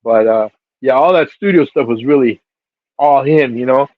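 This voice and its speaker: A man's voice: mid-range voice, normal speed, no room sound. A middle-aged man from Seattle, talking easygoing and loose, with lots of filler words. He comes through a thin, phone-like line with a dry, close sound. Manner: laid-back, many fillers, voice jumps up for quoted reactions. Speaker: hip-hop DJ and label figure telling his story. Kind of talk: casual storytelling interview.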